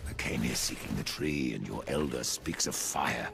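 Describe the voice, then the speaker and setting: A man's voice: moderate pace, over music, exaggerated voice. An actor playing a grim, curt horseman of death in a video game cutscene, with a terse, sardonic delivery. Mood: cold, sardonic. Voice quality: very deep gravelly voice.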